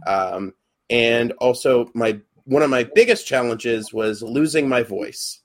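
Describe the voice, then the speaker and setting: A man's voice: medium pitch, expressive, slow pace. A young adult man, a podcast co-host and actor, chatting casually and hesitantly with many fillers and restarts.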